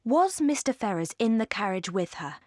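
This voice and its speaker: A woman's voice: mid-range voice, very animated, moderate pace, darkish tone, no echo, studio quality. A woman voicing a genteel middle-aged English mother, politely probing and affectionate, in a period novel audiobook. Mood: anxious, questioning.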